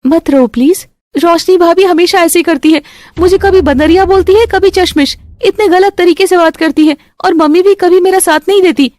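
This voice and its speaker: A woman's voice: extremely high pitch, moderate pace, a little mellow, no room sound, studio quality, pitched above the performer's own voice. A woman voicing a timid young unmarried girl who pleads and cries easily in a family story. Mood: pleading. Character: young unmarried sister-in-law, timid and tearful.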